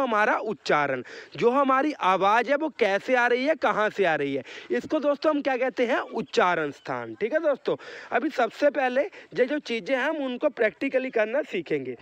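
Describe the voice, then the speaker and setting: A man's voice: extremely high pitch, a bit bright, no room sound. A man teaching an exam-prep lesson, asking questions and answering them himself, drawing out letter sounds for viewers to repeat. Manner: repeatedly addresses viewers as friends, asks and answers own questions. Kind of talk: online lesson.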